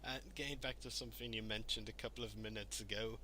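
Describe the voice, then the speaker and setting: A man hosting a podcast interview, relaxed, asking long questions padded with fillers. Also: on the low side, quick pace, a little hiss or hum, rough recording. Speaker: podcast host. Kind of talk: casual interview.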